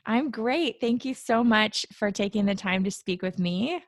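A woman's voice: medium pitch, lively intonation, unhurried. A woman hosting a parenting podcast, reading an upbeat intro and then chatting with her guest. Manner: upbeat and friendly, scripted intro. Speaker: podcast host.

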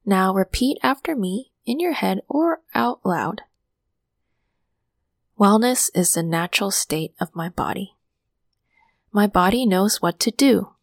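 Calm woman hosting a meditation podcast. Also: mid-range voice, gravelly, dry recording, clean studio sound. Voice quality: calming voice. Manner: soft, slow guiding with whispered breath cues. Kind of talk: guided meditation.

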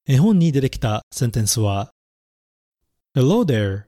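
A man reading a children's story and teaching English words, speaking clearly and carefully and spelling words out letter by letter. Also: medium pitch, animated, normal speed, warm tone, no echo, clean studio sound. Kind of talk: bilingual children's lesson narration.

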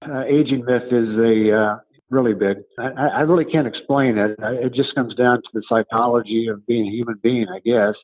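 A man in his seventies answering interview questions conversationally as a coach and author, explaining in a halting way and repeating words as he thinks. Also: medium pitch, steady tone, narrow, tinny audio. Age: 70s.

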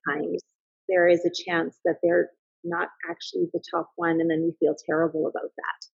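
Somewhat low, thoughtful woman in her thirties whose voice is deeply breathy and raspy. She talks earnestly and often circles back mid-sentence. The sound is dry and a little dull, like a lo-fi podcast mic. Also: flat delivery, a little fast, no room sound. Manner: thoughtful and earnest, with frequent restarts. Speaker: podcast guest, mother and business owner. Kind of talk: casual reflective interview talk.

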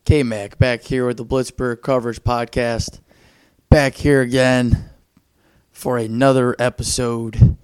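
Male podcast host, hoarse and worn, excitable fan rambling, dry close mic. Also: medium pitch, slow pace, no echo. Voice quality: raspy. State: tired, foggy. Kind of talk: casual sports recap podcast.

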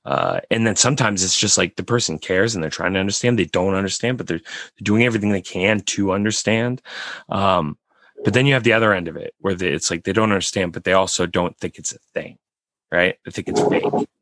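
A man with a raspy voice, hosting a casual podcast chat and rambling with many restarts. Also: deep voice, fairly quick, a bit bright, no echo.

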